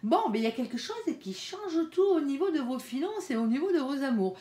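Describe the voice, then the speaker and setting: A woman's voice: sits high, sing-song, a little fast. A woman giving a casual tarot reading, talking chattily to her viewers and filling her speech with little interjections. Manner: chatty, peppers speech with "hein" and "alors"; softly pleads with her guardian angel between cards. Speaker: tarot card reader. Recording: echoey room.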